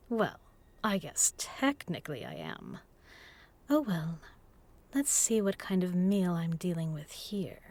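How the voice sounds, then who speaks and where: A woman's voice: fairly low pitch, darkish tone, slightly rough, exaggerated voice. A woman playing a seductive, menacing vampire in an intimate audio roleplay, teasing and purring, often dropping to a whisper. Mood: hungry, seductive. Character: seductive, menacing female vampire predator toying with prey. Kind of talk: intimate hypnotic audio roleplay, slow and breathy.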